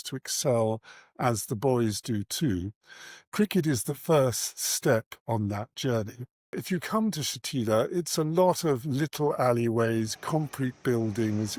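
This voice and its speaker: A middle-aged man giving reflective interview answers in an earnest, articulate, measured way, pausing as he goes. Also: medium pitch, darkish tone, dry recording, clean studio sound. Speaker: interview guest, charity founder and cricket coach.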